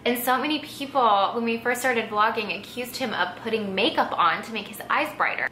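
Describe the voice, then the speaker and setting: A young American woman vlogger talks casually and informally to her viewers. Her voice is bright and forward. The room adds noticeable echo, with a little noise behind her. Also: a little high, brisk. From Texas, United States. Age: young adult. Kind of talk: casual chat, answering viewer assumptions. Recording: echoey room with faint background noise.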